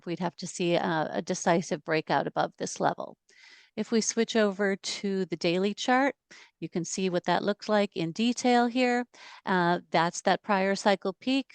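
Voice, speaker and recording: A woman walking through stock chart analysis in a measured, steady way with some fillers, speaking on a video call. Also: lowish voice, clear, resonant tone, no echo. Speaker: market analyst.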